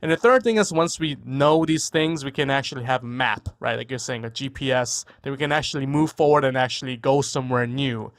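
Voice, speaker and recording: In a brisk, medium-pitched delivery with hardly any pauses, a man in his forties gives a casual interview over a video call from home. He's a guest physician from New York whose native language was Korean, and he thinks aloud, repeats words and keeps adding "right?"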